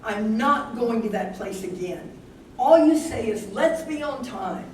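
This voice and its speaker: A woman's voice: a little high, a little slow, lightly acted. A woman playing a wistful, confused older wife with Alzheimer's in a staged reading of a play. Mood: defiant. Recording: roomy distant stage mic, loud noise.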